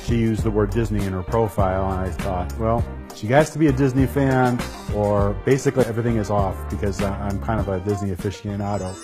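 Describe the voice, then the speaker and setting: A man's voice: on the low side, fairly even intonation, a little fast, over music. A man in his fifties speaking candidly in a documentary interview. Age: 50s.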